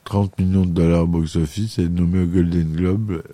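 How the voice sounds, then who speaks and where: Low, dark-voiced man reading. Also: level tone, normal speed, no room sound. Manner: reads aloud with frequent stumbles and self-corrections. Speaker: podcast host. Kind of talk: read film chronicle.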